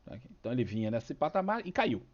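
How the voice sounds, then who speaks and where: A man's voice: mid-range voice, big pitch swings, fast talker, muffled recording. A Brazilian man with a cold and a cough, hosting a casual stock market chart talk full of rhetorical questions. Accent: Brazilian Portuguese. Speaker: host of a stock market channel.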